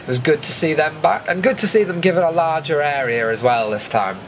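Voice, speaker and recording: A man's voice: fairly high pitch, brisk, a little hiss or hum. A man with a British accent giving a chatty, informal voice-over commentary as a vlogger recapping an event. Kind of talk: casual voice-over commentary on footage.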